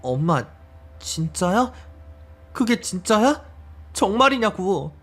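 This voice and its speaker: Performer doing a grown daughter, hurt, accusing, pleading, husky, middle pitch, faint music, audio story. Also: big pitch swings, takes it slowly, exaggerated voice. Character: grown daughter, hurt and bitter, confronting her mother. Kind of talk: dramatized story reading.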